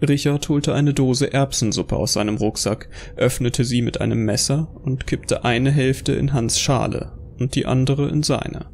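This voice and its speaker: A man narrates an audio drama from a script. His medium-pitched voice is gravelly with fry, and faint noise sits behind it. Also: steady tone, measured pace, hardly any pauses, a little mellow.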